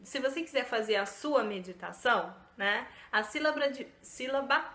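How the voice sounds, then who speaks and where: A woman's voice: a little high, lively intonation, moderate pace, pushed and bright. Chatty woman in an echoey room. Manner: chatty, many fillers and tag questions. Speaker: vlogger. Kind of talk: casual self-help talk to camera.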